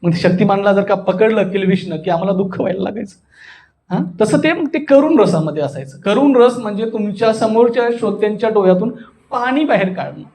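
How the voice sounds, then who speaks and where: This is a man with a strikingly high-pitched voice and a Marathi accent. He teaches like a stage performer, putting questions to his listeners and acting out what he explains. The delivery is that of an animated workshop instructor. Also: fairly quick. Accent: Marathi, Maharashtra. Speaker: voice and public speaking workshop instructor. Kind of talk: animated classroom teaching with acted demonstrations.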